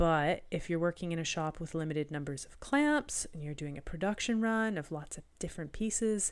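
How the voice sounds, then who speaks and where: On a very clean recording with a silent background, a woman speaks with a Canadian accent and fairly even intonation. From Canada. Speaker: woodworking podcaster. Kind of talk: solo educational podcast.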